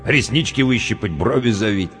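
A man voicing a surly, brutish male warrant officer who grumbles gruffly. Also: on the low side, normal speed, a bit bright, voice pushed up. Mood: sullen. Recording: long reverb with faint music.

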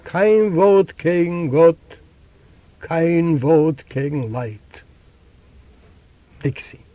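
An older man, a native Yiddish speaker, reads a literary story aloud at an unhurried pace. His voice sits high yet sounds mellow, and he tells the story dramatically, often dropping suddenly into softer passages. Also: expressive, dull audio. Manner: slow, dramatic storytelling with sudden soft drops. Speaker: reader of a literary recording. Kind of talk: literary reading.

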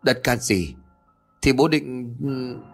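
A man voicing a gruff middle-aged father in a horror story, curt and brusque. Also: mid-range voice, takes it slowly, soft background music.

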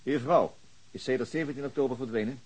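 A man playing a calm, terse police chief inspector. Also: medium pitch, quick pace, lightly acted, low-quality recording. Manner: calm, terse, dryly patient. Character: calm, dry middle-aged male police chief inspector. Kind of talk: radio play acting.

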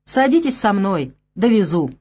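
A woman voicing a gruff, hoarse older male Arctic sea captain who speaks curtly, in an audiobook. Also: high voice, very animated, normal speed, darkish tone. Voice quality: hoarse, rasping. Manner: curt, commanding.

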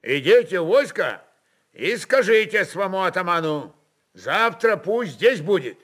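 A man's voice: high voice, sing-song, a little slow, fairly bright tone, pitched above the performer's own voice, full character voice. A man voicing a haughty, impatient governor of old Russia in an audio story, stern and commanding. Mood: stern warning.

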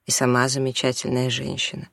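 A reader voicing a patient husband who speaks softly and low, holding back hurt. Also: fairly quick, vocal fry, dry recording, clean studio sound. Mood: calming. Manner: soft, low, restrained, calming. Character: quiet patient middle-aged husband and father.

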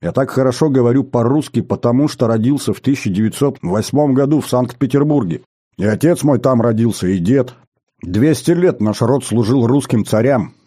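A man's voice: mid-range voice, animated, moderate pace, mellow, breathy edge. A man voicing a polite, earnest captured German sergeant explaining himself.

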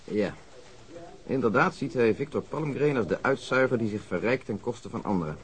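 A man acting a formal, measured police investigator who reports in wordy phrases in a radio drama. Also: medium pitch, lively intonation, lightly acted. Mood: measured, official.

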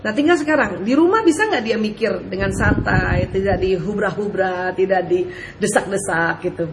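A woman preacher giving casual advice to listeners' questions, animated, asking rhetorical questions and laughing often. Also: mid-range voice, moderate pace, noisy background.

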